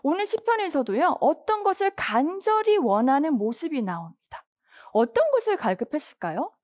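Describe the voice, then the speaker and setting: A woman preaches to a youth group in a high, lively voice that climbs and falls a lot. She keeps asking the listeners questions and acts out pleading prayers, and the sound is close and dry. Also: normal speed, no echo. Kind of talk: sermon to teens. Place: church.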